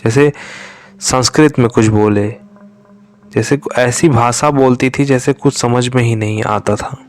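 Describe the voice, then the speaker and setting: Slow, hushed male horror storyteller. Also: mid-range voice, steady tone. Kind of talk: narrating a true horror story. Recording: faint music behind.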